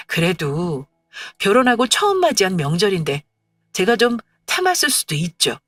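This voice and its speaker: A woman reading a scripted first-person story as narrator, in a lowered, aggrieved, confiding tone. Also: a bit bright, no room sound.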